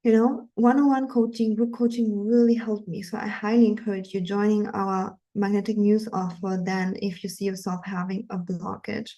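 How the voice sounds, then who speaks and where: Mellow-voiced woman coaching with earnest energy. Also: mid-range voice, moderate pace, hardly any pauses, poor audio. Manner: earnest, animated, frequent fillers. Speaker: dating coach. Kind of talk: live webinar talk.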